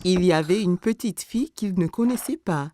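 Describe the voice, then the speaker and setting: A woman narrating a children's cartoon as a scripted story, telling it clearly in simple sentences. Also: fairly low pitch, expressive, moderate pace, warm tone, close to an everyday voice.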